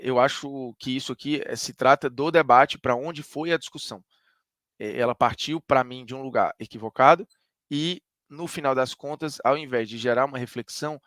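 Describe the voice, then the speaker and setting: A man's voice: mid-range voice, fairly bright tone, no room sound, clean studio sound. A man from Ceará with a Northeastern Brazilian accent, a sports commentator giving an emphatic, conversational opinion monologue that argues point by point.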